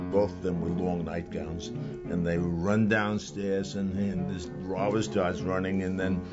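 Over clear music in the background, a man with a New York accent speaks in a very deep, low pitch. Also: fairly slow pace, hardly any pauses. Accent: old New York. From New York City. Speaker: retired silent movie pianist. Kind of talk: oral history interview. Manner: animated storytelling. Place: home room.

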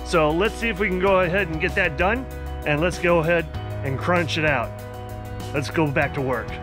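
Clear music plays behind a man who talks at a moderate speed. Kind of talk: casual vlog chat. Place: garden. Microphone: phone near.

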